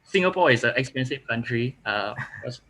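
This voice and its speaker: Halting young man, Vietnamese accent. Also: mid-range voice, lively intonation, pushed and bright, slight background noise, rough recording. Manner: halting, searching for words. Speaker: student contestant. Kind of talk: pitching a project.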